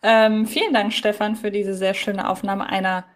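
A woman's voice: medium pitch, flat delivery, moderate pace. A woman from Germany co-hosting a podcast in a casual, conversational style. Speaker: podcast co-host.

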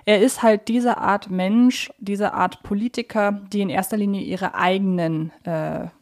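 A woman hosts a conversational podcast. Her voice sits at an average pitch. She explains things analytically, choosing her phrasing carefully and at some length. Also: fairly even intonation, unhurried. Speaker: podcast host. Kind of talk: casual analytical podcast conversation about a children's audio drama series.

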